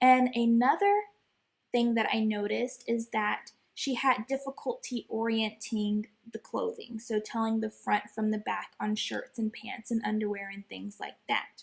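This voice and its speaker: A woman's somewhat breathy, fairly high voice at a fairly slow pace, with monotone, flat intonation. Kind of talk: educational tips talk. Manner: casual, conversational.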